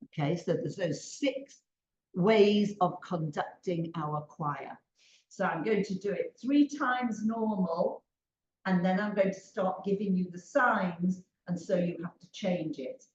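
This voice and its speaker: An older woman training teachers, leading a slow, emphatic interactive drama exercise over a video call. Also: fairly low pitch, reverberant, muffled recording. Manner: slow, emphatic, leads call-and-response chants. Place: home room on a video call.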